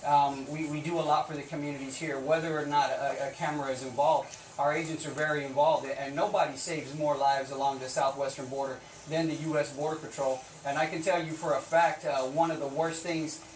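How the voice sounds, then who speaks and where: Brisk and level, a man with a fairly high pitch gives answers in a live news interview, speaking as a Border Patrol officer who earnestly and insistently argues his position in plain terms. The audio is roomy and echoey, with a distant mic and slight noise.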